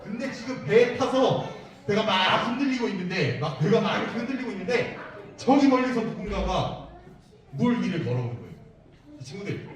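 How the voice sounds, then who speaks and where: Animated man leading a children's sermon. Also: high voice. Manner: animated, asks the children questions and repeats answers. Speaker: children's ministry preacher. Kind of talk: children's sermon with call-and-response questions. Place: church worship room. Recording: echoey room, mic at a distance.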